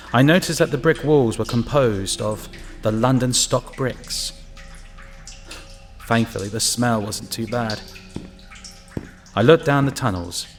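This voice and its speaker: A man's voice: mid-range voice, close to an everyday voice. A man playing an uneasy utility inspector alone in the sewers, narrating an audio drama and musing to himself. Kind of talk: first-person narrated audio drama with muttered asides.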